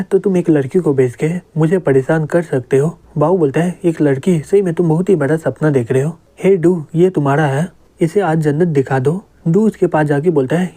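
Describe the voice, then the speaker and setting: Male narrator for a comic recap, warm low-brightness tone, reads every role in his own voice. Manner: even storytelling, "he says" before each quote. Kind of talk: scripted narration, reading every character plainly.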